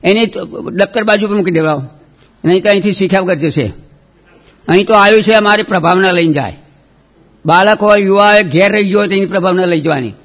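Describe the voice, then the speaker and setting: A man teaching children a religious lesson, chanting terms loudly for them to repeat, then dropping to quick, quiet scolding. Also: high-pitched. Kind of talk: call-and-response chanting lesson.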